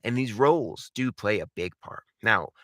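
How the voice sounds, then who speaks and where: Bright-voiced man teaching, emphatic and informal. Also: fairly low pitch, normal speed, no room sound, clean studio sound. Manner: animated, emphatic, uses rhetorical questions and repetition; informal, addresses viewers directly. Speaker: voice acting coach and video host. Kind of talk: instructional talk to camera.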